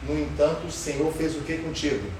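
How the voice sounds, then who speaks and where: Guy teaching bible class, high lively voice, far from the mic, super echoey room. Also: fairly quick. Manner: asks the class questions, animated and emphatic. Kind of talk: Sunday school Bible lesson. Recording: roomy far-off sound with faint noise.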